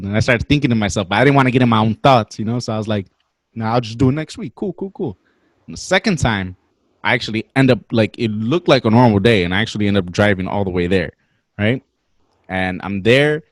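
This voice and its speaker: A man in his twenties casually telling a story on a podcast, animated and slangy, swearing freely. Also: lowish voice, no echo. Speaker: podcast guest.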